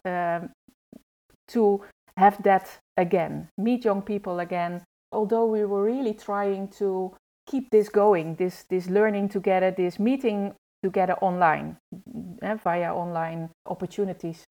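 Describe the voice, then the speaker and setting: A woman in her forties, a youth trainer speaking as a podcast guest, pausing often to find her words. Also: medium pitch, steady tone, dark tone, highs cut off. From Netherlands. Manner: hesitant, searching for words. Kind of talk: podcast conversation.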